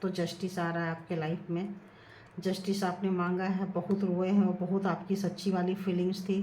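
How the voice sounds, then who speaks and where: A woman's voice: lowish voice, little pitch movement, normal speed. Earnest Hindi-speaking woman in echoey room. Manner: earnest, repetitive, chants card requests softly. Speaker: tarot reader. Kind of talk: casual tarot reading to viewers. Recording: echoey room with faint ambient noise.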